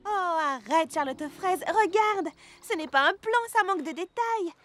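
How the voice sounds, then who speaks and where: A woman voicing an earnest, perfectionist young girl in an expressive way for a French children's cartoon. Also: extremely high pitch, a little slow, full character voice. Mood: fussy, critical. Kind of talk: French animated series dubbing for children.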